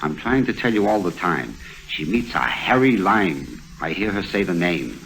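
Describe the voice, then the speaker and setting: A man's voice: low-pitched, very animated, normal speed, gravelly, a bit bright, slight background noise, heavily acted, rough recording. An actor playing an evasive gangster henchman in an old radio drama, answering questions with questions. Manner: answers questions with questions, odd grammar. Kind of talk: 1950s radio drama acting. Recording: old vintage radio broadcast.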